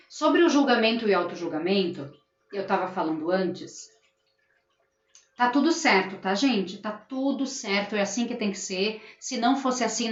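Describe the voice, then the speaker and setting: A middle-aged woman, a school teacher, hosting a casual live stream and earnestly talking to her viewers. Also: medium pitch. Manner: earnest, addresses viewers and reads their comments aloud. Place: at home. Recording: roomy, dull lo-fi home live stream.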